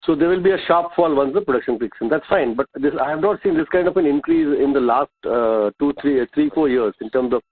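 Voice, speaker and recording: A man's voice: on the high side, fast, few pauses, husky. A man, an analyst politely putting questions on an earnings call, heard over a phone line. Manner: polite, questioning, addresses others as sir. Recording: muffled tinny phone line.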